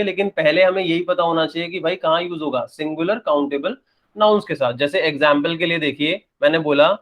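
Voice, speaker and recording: A man's voice: on the high side, a bit bright. A young man teaching an English grammar lesson, repeating points and answering his own questions. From India. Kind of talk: classroom-style lesson, explaining and checking.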